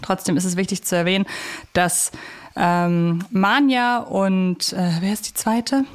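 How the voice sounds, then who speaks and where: A woman's voice: medium pitch, steady tone, a little slow, clean tone. Woman chatting as podcast co-host. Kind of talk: casual review chat about audio drama episodes.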